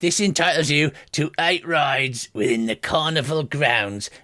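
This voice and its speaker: A man voicing an elderly, hard-of-hearing male goblin ticket seller who drawls slowly and grumbles. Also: fairly high pitch, sharp tone. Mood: businesslike.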